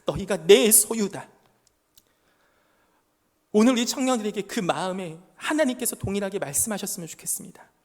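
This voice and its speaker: Animated man preaching in a reverberant church. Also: high voice. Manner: emphatic rhetorical questions and personal family anecdotes. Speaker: junior pastor preaching to young adults. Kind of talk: sermon. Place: church sanctuary. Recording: long church hall reverb.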